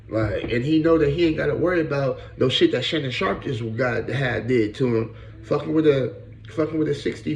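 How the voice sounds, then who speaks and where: Man in his late 30s, gravelly, blunt street-talk commentary, echoey room with faint ambience. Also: fairly high pitch, slight background noise. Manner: blunt, profane, repeats "bro" and "you know what I'm saying". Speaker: podcast host. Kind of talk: casual commentary.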